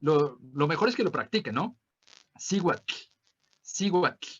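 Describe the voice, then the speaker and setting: Mexican male teacher, bright and slightly high voice, patient explainer who drills pronunciation, dull video-call sound. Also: big pitch swings, breathy edge. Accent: Mexican Spanish. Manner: explanatory, peppered with tag questions; repeats words slowly to model pronunciation. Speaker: language teacher. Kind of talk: online class lecture.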